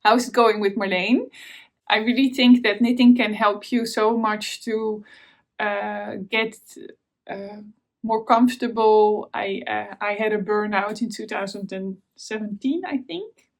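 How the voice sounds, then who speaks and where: A woman's voice: mid-range voice, fairly even intonation, a little slow, creaky. A Dutch woman with a Dutch accent hosting a knitting vlog, talking in a casual, hesitant way with many fillers and restarts. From Netherlands. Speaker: knitting podcast host. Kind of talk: casual chat to camera.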